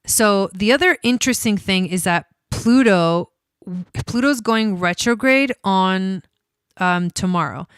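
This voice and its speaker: A woman's voice: medium pitch, measured pace, clean tone. A woman from Argentina, an astrologer hosting a casual livestream, chatty and cursing freely with many fillers. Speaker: astrologer host.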